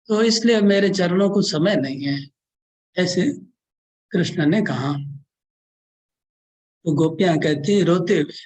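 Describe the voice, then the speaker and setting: A man with a fairly high voice gives a scripture class. He speaks slowly and steadily, chanting each verse and then explaining it in plain talk. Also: poor audio. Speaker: preacher.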